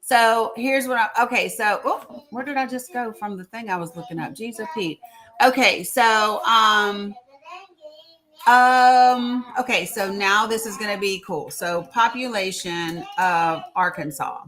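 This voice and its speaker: A woman's voice: medium pitch, measured pace, fairly bright tone. A middle-aged woman, hosting a casual political live chat in an informal, encouraging way. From Tennessee, United States. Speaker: live stream host.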